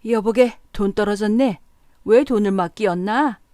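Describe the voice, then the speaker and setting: Lady doing a calm sober drinking buddy guy, mildly warning, storybook. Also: mid-range voice, normal speed, dry recording, studio quality, close to an everyday voice. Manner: mild, reasoning, gently warning. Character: cautious middle-aged male drinking friend.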